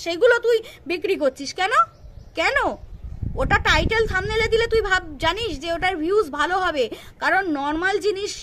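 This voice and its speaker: A woman's voice: very high voice, a bit bright. A woman giving unscripted roast commentary, confrontational and scolding, repeating herself and firing rhetorical questions. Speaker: YouTube commentary creator.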